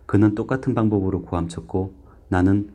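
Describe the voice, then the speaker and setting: A man giving a meditation dharma talk, explaining in a measured, patient way through told examples. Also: lowish voice, fairly even intonation, warm tone. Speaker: meditation teacher.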